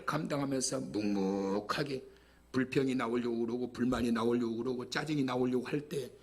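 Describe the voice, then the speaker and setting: A guest pastor delivers an energetic Friday night sermon, cracking jokes and getting the congregation to echo his phrases back. His voice sits at a medium pitch and moves along fairly quickly.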